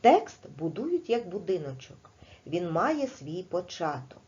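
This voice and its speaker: Slow, patient woman teacher. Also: on the low side, big pitch swings, a little mellow, highs cut off. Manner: slow, clear, patient classroom explaining. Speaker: primary school teacher. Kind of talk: recorded video lesson.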